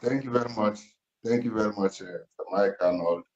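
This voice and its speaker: A man's voice: lowish voice, a little fast, darkish tone, a little hiss or hum. A man speaking into a phone on a call, formal and hesitant. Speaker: guest questioner. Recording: dull echoey phone audio.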